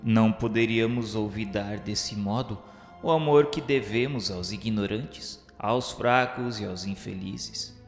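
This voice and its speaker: A man with a Brazilian accent reads a scripted radio novela narration in a formal, measured, didactic way. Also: on the low side. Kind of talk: scripted dramatized narration, solemn literary reading. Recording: echoey hall reverb, music underneath. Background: music.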